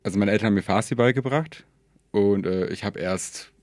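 A man in his twenties, a podcast guest from Germany, talking in a relaxed, hesitant way with many fillers and easy laughter. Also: on the low side, fairly quick, no echo. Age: 20s. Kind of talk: casual conversation.

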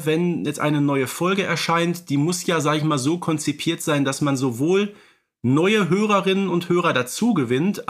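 Podcast co-host, male, forties, halting delivery full of fillers. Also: a little high. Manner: hesitant, many fillers. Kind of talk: casual fan podcast chat.

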